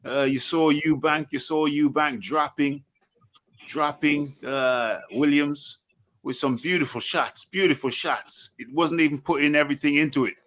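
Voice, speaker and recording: A man hosting a boxing talk show, lively, often stumbling and repeating words before he finds the point. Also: fairly high pitch. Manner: lively, stammering restarts, quick affirmations. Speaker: host.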